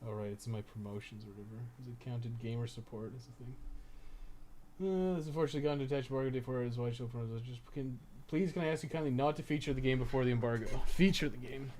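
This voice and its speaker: A man's voice: medium pitch, steady tone, quick pace, darkish tone. A man giving casual live gameplay commentary as a streamer, swearing casually. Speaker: game livestreamer. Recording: clearly noisy background.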